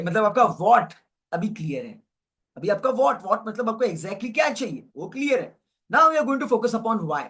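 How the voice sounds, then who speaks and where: A man's voice: high-pitched, a bit bright. A man with an Indian English accent leading a live online goal-setting workshop, upbeat and repetitive as he coaches, switching between Hindi and English. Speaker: motivational coach.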